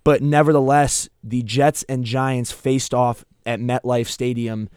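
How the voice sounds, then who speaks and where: A young man hosting a casual sports talk show, his voice croaky and raw from shouting, talking energetically with frequent restarts. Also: mid-range voice, measured pace, dry recording, studio quality. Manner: energetic, talks through his points with restarts. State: hoarse, croaky voice. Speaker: podcast host.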